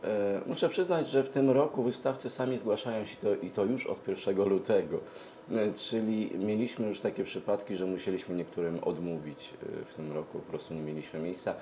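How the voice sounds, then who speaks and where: A middle-aged man answers interview questions hesitantly, pausing often mid-sentence. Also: fairly low pitch, fairly even intonation, dark tone, slight background noise. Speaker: event organizer, interview guest. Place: TV studio, seated at a glass desk. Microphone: lapel mic.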